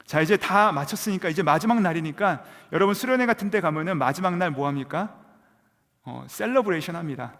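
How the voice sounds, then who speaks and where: A man preaching a testimony sermon, telling his story with acted prayers and quoted words. His voice sits fairly high for a man, and it swings between quiet low asides and loud, cried-out moments. A long reverb from the church sanctuary trails after every phrase. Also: expressive, brisk. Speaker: pastor.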